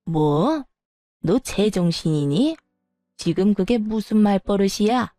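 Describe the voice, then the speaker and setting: A scheming older mother-in-law who wails for pity and then scolds, as a woman storyteller puts her on. She has a warm, mellow tone and drawn-out complaints. The sound is dry and close. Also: mid-range voice, lively intonation, dry recording, soft background music. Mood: indignant. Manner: whining, scolding. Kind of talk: storytelling dialogue.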